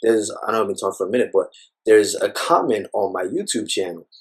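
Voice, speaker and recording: A man's voice: on the low side, expressive, quick pace, husky. A man speaking as an interview guest, talking thoughtfully in a rambling way with many fillers. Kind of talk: reflective personal conversation.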